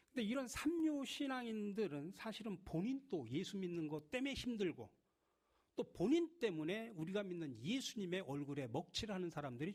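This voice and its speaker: A middle-aged pastor from Chungcheong, South Korea, preaches to his congregation in church. His high-pitched delivery is lively, humorous, and direct.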